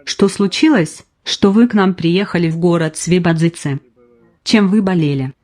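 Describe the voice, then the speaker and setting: A man interviewing a patient, putting brisk prompting questions to her. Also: high voice, a little mellow. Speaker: interviewer and therapist.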